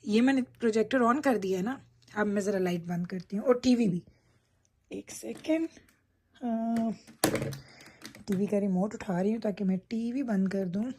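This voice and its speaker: A woman's voice: a little high, darkish tone, breathy edge. A woman chatting casually to her viewers as she gives a tour of her bedroom at night, speaking into a handheld phone. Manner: chatty, addresses viewers directly while showing things. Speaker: vlogger giving a room tour. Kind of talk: casual home vlog talk. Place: home bedroom at night, indoors.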